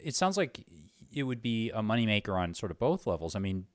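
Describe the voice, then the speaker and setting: A man's voice: fairly low pitch, very animated, brisk, no room sound, clean studio sound. A man interviewing in a casual, conversational way, circling tentatively toward his points. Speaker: interviewer, host.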